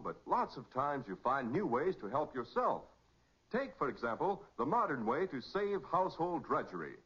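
A man's voice: on the high side, a bit bright, breathy edge. An American man announcing and narrating in scripted 1940s radio style, dramatic and emphatic. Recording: muffled 1940s radio recording.

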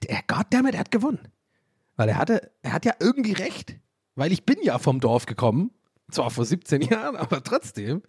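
A male podcast host talking alone into a close mic, rambling and amusing himself as he goes. His voice sits slightly high and moves a lot. The sound is dry and close, with no room around it. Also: a little mellow, husky, dry recording. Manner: rambling, self-amused, frequent restarts. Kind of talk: casual solo podcast monologue.

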